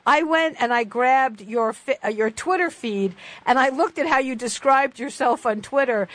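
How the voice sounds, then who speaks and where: A woman radio host who reads a poem slowly and solemnly. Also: on the high side, no echo. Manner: reads the poem slowly and solemnly, then talks emotionally and warmly to the guest. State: tearful. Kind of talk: radio talk show, poem reading then interview. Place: radio studio.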